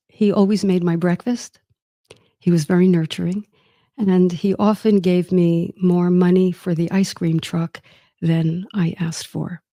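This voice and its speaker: Host, woman, middle-aged, reflective storyteller with a dry wit, dark mellow tone. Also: fairly low pitch, no echo. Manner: warm, wry and reflective. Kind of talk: personal storytelling monologue.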